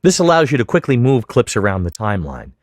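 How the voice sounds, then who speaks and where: A man giving scripted, methodical step-by-step instruction as a software tutorial narrator. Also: mid-range voice, wildly swooping pitch, fast talker, no room sound, clean studio sound. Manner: clear, methodical, step-by-step explanation. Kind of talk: scripted instructional narration over screen demo.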